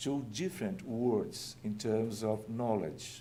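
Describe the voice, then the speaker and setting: A man speaks very slowly in a Brazilian Portuguese accent. His intonation is lively, and the room echo is audible. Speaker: lecturer on spirituality and physics. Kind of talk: lecture. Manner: halting, many fillers.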